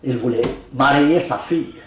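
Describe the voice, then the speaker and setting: An older man whose first language is Arabic, speaking in a casual interview as a translator, animated and joking with vivid comparisons. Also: mid-range voice, normal speed, slight background noise. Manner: animated, laughs often, jokes with vivid comparisons. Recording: roomy sound from some distance.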